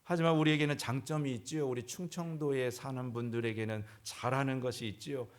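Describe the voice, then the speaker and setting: A man's voice: medium pitch, steady tone, a little fast. A male pastor preaching a sermon in a church, posing rhetorical questions to the congregation.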